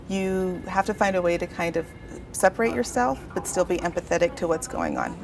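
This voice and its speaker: A woman's voice: on the low side, gravelly, background noise. A woman dispatcher explaining her work in an unscripted interview. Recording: busy chatter behind the voice.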